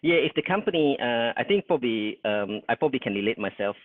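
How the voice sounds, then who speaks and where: A man from Indonesia, a business owner, answering interview questions in a halting, modest way with many fillers. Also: medium pitch, expressive, no room sound, phone-quality sound.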